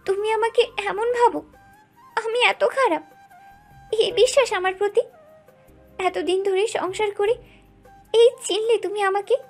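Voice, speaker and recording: A fiery young wife in an audio drama, her voice pitched very high and her words biting and accusing. Soft music plays faintly underneath. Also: normal speed. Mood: hurt, trembling. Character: hot-tempered young wife, sharp and accusing.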